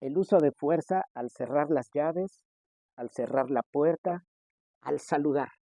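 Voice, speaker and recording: A man's voice: on the high side, a little slow, mellow, no echo. A male pastor, preaching a sermon in a conversational way, with frequent hesitations and mock rhetorical questions. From Mexico.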